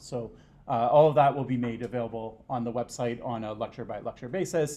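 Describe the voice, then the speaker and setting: A man talks with a dark, mellow tone. His intonation stays fairly even. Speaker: university lecturer. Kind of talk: lecture. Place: classroom.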